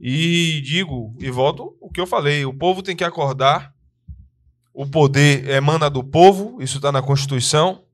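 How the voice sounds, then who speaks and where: A man's voice: fairly high pitch, moderate pace. A man from Brazil co-hosting a casual podcast, reading out viewer messages and answering them earnestly. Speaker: podcast co-host.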